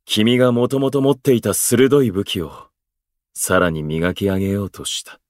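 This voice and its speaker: An actor playing an aloof, eloquent station worker in a voice drama, speaking in florid, pompous, unhurried phrases. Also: male voice, on the low side, fairly even intonation, no room sound, studio quality, natural voice. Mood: earnest, measured. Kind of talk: Japanese voice drama acting.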